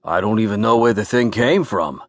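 A man's voice: fairly low pitch, moderate pace, no echo, close to an everyday voice. A man voicing a grumbling, defensive, exasperated husband in an audiobook. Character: fed-up, grumbling balding husband. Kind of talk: audiobook character acting.

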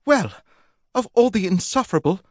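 A man's voice: high-pitched, lively intonation, normal speed, no echo, studio quality, pitched above the performer's own voice. A man voicing a pert, coy young woman posing as a lady. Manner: coy, then indignant.

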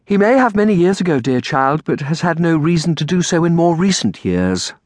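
A man voicing a tender, sorrowful grown woman, a devoted aunt in a storybook, with a gentle, hesitant manner. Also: fairly high pitch, sing-song, fairly quick, dry recording, pitched above the performer's own voice. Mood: gently reassuring.

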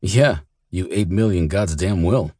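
A man voicing a hard-bitten male bounty hunter who talks in a cool, dry, resigned way, with a husky voice. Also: low voice, animated, normal speed, dry recording, exaggerated voice. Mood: weary.

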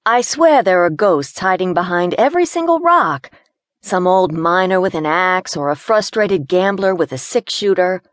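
A woman voicing a feisty young city woman who is claustrophobic and quick to panic. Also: lowish voice, expressive, no room sound, studio quality, close to an everyday voice. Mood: nervous, sassy. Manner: jumpy, sassy, quick to panic.

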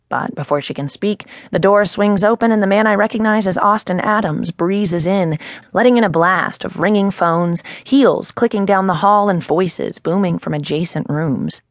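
A woman's voice: on the low side, no echo. A woman narrating a first-person novel in a wry, conversational way on a close studio mic. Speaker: audiobook narrator. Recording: dry studio booth.

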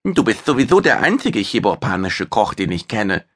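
A man's voice: on the low side, very animated, moderate pace, fairly bright tone, breathy edge, full character voice. Man voicing a small chatty mousebeaver alien. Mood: dry.

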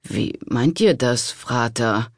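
This is a greedy, petulant young nobleman from a historical audiobook, voiced by a male reader. He speaks with a gravelly grain, and the recording is close and dry. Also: medium pitch, slow pace, dry recording. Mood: confused. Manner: demanding.

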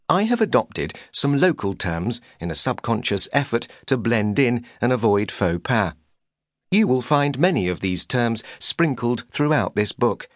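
A man's voice: fairly low pitch, no room sound. A man reading a humorous memoir as an audiobook narrator, with a dry, wry delivery.

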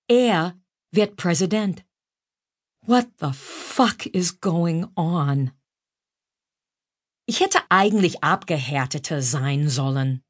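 A woman with an American accent, a native English speaker, reading her own humorous memoir in German and mixing in English phrases. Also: on the low side. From United States. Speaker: author narrating her own audiobook.

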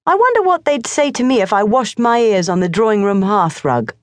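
A woman's voice: mid-range voice, sing-song, brisk, dry recording, voice pushed up, lightly acted. A woman voicing an anxious, earnest young boy in a storybook reading. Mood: scornful. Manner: pleading, earnest. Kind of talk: audiobook character voice.

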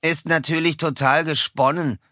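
A man's voice: fairly high pitch, steady tone, moderate pace, sharp tone, dry recording, clean studio sound, pitched above the performer's own voice. A man voicing a spiteful young male cat who taunts the others in an audiobook for children. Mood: snide. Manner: snide, taunting. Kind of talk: audiobook character voice.

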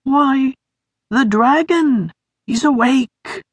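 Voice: sits high, drawn-out words, breathy edge, no echo, voice pushed up, full character voice. A storybook reader voicing a weak, wheezing, plump young male creature who survived a fire. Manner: wheezy and breathless.

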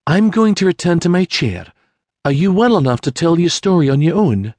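A man voicing a kind, composed young noblewoman who speaks softly and gently. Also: fairly high pitch, big pitch swings, moderate pace, no room sound, pitched above the performer's own voice. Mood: gentle. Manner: soft and gentle.

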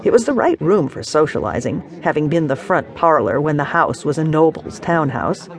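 Woman reading a novel aloud, steady storytelling, studio sound. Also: low-pitched, normal speed, gravelly. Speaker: audiobook narrator. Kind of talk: scripted narration.

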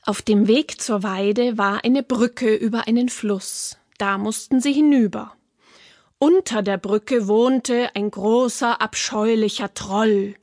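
A woman narrating a children's fairy tale audiobook, clear and expressive, acting out the sound words. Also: a little high, slow pace, no echo, clean studio sound.

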